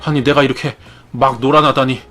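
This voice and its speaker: A man's voice: medium pitch, steady tone, sharp tone, soft background music, natural voice. A man voicing an embarrassed goddess of beauty who hurriedly swears her lover to secrecy. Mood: flustered. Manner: flustered, hurried and bossy.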